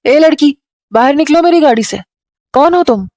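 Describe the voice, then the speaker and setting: A woman's voice: high voice, expressive, normal speed, a little mellow, no echo, clean studio sound, voice pushed up. A woman voicing a stern, suspicious young man who snaps curt retorts. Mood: irritated.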